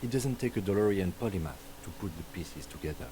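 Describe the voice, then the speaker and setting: A man voicing a calm, methodical police lieutenant who briefs his partner in a measured, matter-of-fact way. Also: low-pitched, background noise.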